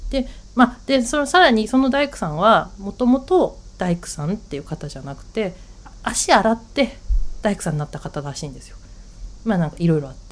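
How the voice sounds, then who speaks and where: A woman hosting a radio talk show, chatting on her own and telling a family story in an animated way, acting out what her relatives said. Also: mid-range voice, fairly quick. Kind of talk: casual solo storytelling.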